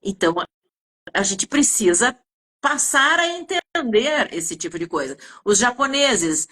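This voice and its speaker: A woman's voice: on the high side, very animated, measured pace, sharp tone. A woman from southern Brazil with a southern accent explains speech errors in a casual chat, giving many examples with frequent hesitations. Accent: southern Brazilian Portuguese. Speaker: communication teacher. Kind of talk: casual two-person chat.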